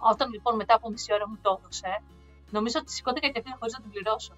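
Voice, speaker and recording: A woman co-hosting a casual podcast, chatting and telling animated stories, laughing often. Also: fairly high pitch. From Greece. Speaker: podcast co-host. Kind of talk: casual chat. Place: living in the United States. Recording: slightly dull lo-fi sound with faint music.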